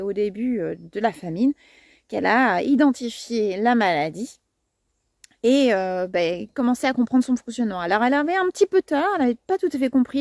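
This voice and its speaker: A woman's voice: fairly high pitch, a little mellow, no echo. A woman hosting a casual gardening video outdoors, chatty and playful, tripping over words and laughing at herself. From France.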